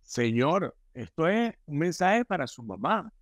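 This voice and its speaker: A man's voice: a little high, very animated, a little slow, no room sound, clean studio sound. A man as a podcast guest, telling stories emphatically and repeating himself. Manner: emphatic, repetitive storytelling. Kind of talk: casual spiritual conversation.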